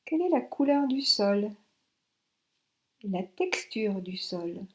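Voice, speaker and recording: A woman instructor leading a guided yoga relaxation in short instructional phrases with pauses. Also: mid-range voice, very animated.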